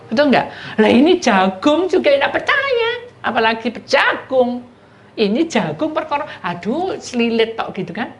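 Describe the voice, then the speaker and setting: A middle-aged woman pastor, preaching a sermon and telling personal stories, acting out the voices of the people in them. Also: on the high side. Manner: lively storytelling, acts out voices of neighbors and God, addresses listeners as saudara.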